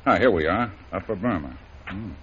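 An actor playing a confident, easygoing adventurer hero in an old radio drama. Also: male voice, low-pitched, normal speed. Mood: steady. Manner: steady, easygoing, assured. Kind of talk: 1930s radio acting. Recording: dull old radio recording with faint hiss.

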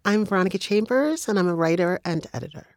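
A woman's voice: medium pitch, fast talker, no room sound, studio quality. A woman born in Panama and raised in northern England, a writer and editor chatting as a podcast guest and animatedly acting out relatives' voices. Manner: animated, acts out quoted relatives. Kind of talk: casual interview chat.

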